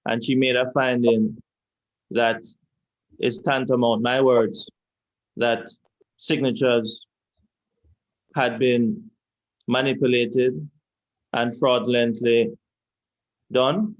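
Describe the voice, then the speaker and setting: A man with a Jamaican accent, a lawyer questioning a witness at an inquiry in a measured, deliberate, repetitive way. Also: medium pitch, fairly even intonation, muffled recording. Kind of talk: courtroom cross-examination. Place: inquiry hearing room.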